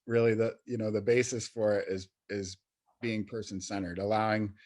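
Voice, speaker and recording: Man, low voice, dark mellow tone, hesitant speech full of fillers, podcast guest interview. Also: little pitch movement, normal speed. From New York State, USA. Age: adult in recovery, peer professional. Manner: hesitant, many fillers and restarts. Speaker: youth recovery program coordinator, guest.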